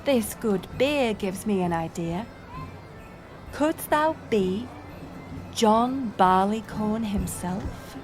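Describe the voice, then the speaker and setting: A woman's voice: medium pitch, lively intonation, over music. A woman playing a playful, curious village woman in a romantic audio roleplay, speaking in archaic thee-and-thou English. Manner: archaic thee-and-thou speech, slow and musing. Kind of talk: romantic audio roleplay acting addressed to the listener.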